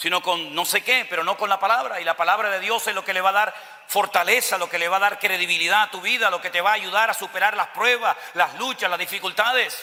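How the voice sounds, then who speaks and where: In a raised, projected voice, the speaker rushes at a very fast pace with hardly any pauses and fairly even intonation over noticeable background noise. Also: man, high pitch for a man. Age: 60s. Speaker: pastor. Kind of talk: sermon.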